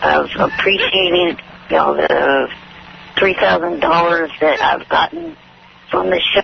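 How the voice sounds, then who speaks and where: A man speaks at a fairly slow pace with very even loudness, leaving long, frequent pauses. Noticeable background noise is present. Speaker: caller. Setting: phone.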